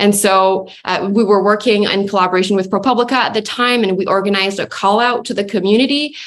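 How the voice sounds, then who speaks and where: A woman with a Quebec accent talks at a very fast pace with hardly any pauses, keeping a medium pitch and fairly even intonation. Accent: French Canadian accent in English. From Quebec, Canada. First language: French. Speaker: reporter. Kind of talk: webinar panel discussion. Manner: hesitant with fillers.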